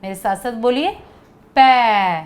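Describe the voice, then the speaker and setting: A woman's voice: on the high side, expressive, measured pace. A woman teaching young children, coaxing them with questions and asking them to repeat sounds after her. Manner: coaxing, asks kids to repeat. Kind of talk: children's lesson.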